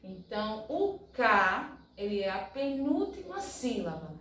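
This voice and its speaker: A patient woman teacher talks slowly and carefully to young pupils, sounding each syllable apart. Her voice sits a little high and rings around a very echoey room, picked up from some distance. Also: very animated, fairly bright tone, a little hiss or hum. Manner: slow, patient, spells out syllables one by one. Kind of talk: recorded primary-school review lesson.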